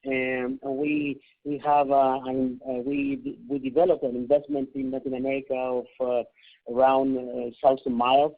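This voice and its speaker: A man from Chile, speaking on a conference call in halting English full of fillers and restarts, over a tinny phone line. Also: medium pitch, gravelly. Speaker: executive at partner company.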